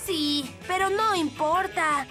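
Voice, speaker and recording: A woman's voice: very high voice, slow. A woman with a Latin American Spanish accent voicing a friendly, eager little elf boy in a children's cartoon, in a childlike way. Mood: forgiving. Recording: music behind.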